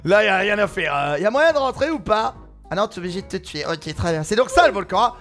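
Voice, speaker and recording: A man giving excitable gaming commentary, exclaiming, laughing and shouting as he plays. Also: sits high, quick pace, faint music behind. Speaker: gaming YouTuber.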